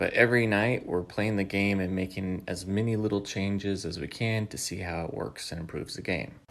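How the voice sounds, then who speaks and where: It is an unremarkable speaking voice with fairly even intonation. The pace is fairly quick. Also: man, fairly low pitch for a man. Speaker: aspiring board game designer and vlogger. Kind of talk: casual video diary.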